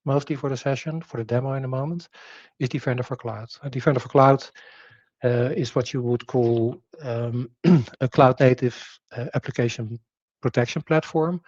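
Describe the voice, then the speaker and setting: A man's voice: medium pitch, a little mellow, no echo, muffled recording. A man whose native language is Dutch, giving a technical presentation, explaining with rhetorical questions, fillers and restarts.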